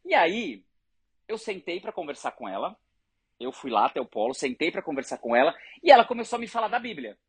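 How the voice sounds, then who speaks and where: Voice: mid-range voice, brisk, husky, no echo. A speaker who leads an education group and tells stories earnestly to make a point. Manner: earnest, animated, argues through examples. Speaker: education organization leader. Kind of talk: conversational storytelling.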